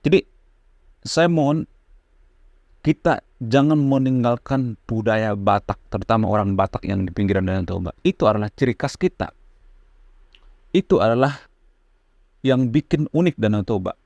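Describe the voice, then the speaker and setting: This man speaks in the relaxed, unscripted way of a channel host chatting with viewers. His voice carries a gravelly edge, and the sound is close and dry, with no room around it. He circles back to his points with fillers and repetition. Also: lowish voice, moderate pace, pauses often, no echo, muffled recording. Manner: earnest, repeats points, frequent fillers. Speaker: channel host giving commentary. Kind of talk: casual spoken commentary.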